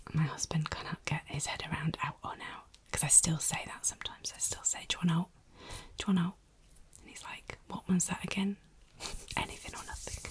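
Whispering at a fairly quick pace, a woman lets her loudness swing widely. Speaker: ASMR creator. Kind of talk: soft ASMR chat with repeated trigger words.

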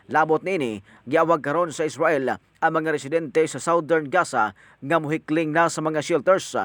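At a moderate pace, a man with an unremarkable speaking voice talks fairly high in pitch, varying it in an ordinary way. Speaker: radio newsreader. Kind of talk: radio newsreading. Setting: radio studio. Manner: formal.

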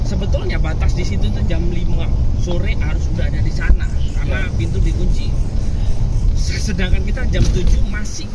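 Loud background noise accompanies speech at a moderate pace, with a dry sound and no echo. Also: man. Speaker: vlogger driving the car. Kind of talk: casual vlog chat. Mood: playful, slightly nervous. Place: car. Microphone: phone near.

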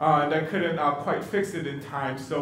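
A man at a moderate pace with ordinary pitch variation, audible room echo and light background noise. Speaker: pastor. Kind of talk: welcome announcements to congregation. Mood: warm, lightly humorous. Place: church.

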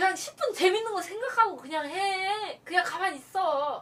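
A woman in a Chungcheong accent, extremely high in pitch with ordinary pitch variation, in a raised, projected voice at a very slow pace over music in the background. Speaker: livestreamer. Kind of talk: casual livestream talk.

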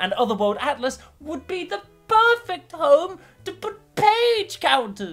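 A woman's put-on character voice, extremely high in pitch with very wide pitch swings, at a fairly slow pace over music in the background. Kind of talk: commentary.

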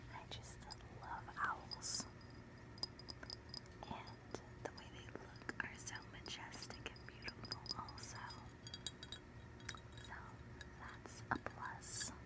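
The delivery is very slow. Long pauses come often. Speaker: ASMR creator. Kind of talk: ASMR tapping video narration. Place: home room.

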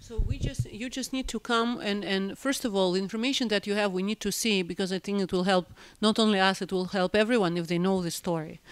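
Speaking at a very fast pace with hardly any pauses, a woman has a Russian accent and ordinary pitch variation. The sound is dry with no echo. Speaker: museum board chair. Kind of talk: interview. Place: hall. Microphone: handheld.

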